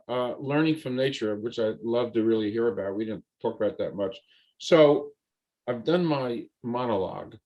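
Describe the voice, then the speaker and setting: A man's voice: medium pitch, a little mellow, highs cut off. An older man hosting an interview show, introducing his guest in a rambling, casual way with many fillers and restarts.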